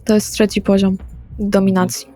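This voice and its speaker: A woman's voice: medium pitch, flat delivery, moderate pace, mellow. A woman taking part in a tabletop role-playing game as a player, stating her actions and discussing rules. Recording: background music under the voice. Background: music.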